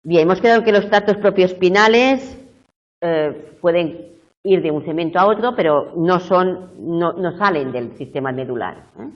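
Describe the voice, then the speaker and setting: A woman's voice: fairly low pitch, animated, normal speed. A middle-aged woman giving a university tutorial lecture, explaining step by step and often checking in with her students. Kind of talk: live video tutorial lecture. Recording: muffled lo-fi classroom recording.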